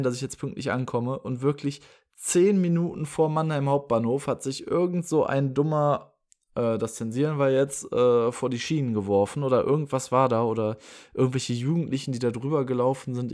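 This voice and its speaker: A man's voice: mid-range voice, a little mellow. A young man co-hosting a podcast, chatting casually and teasing his co-host with exaggerated complaints. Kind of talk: casual chat.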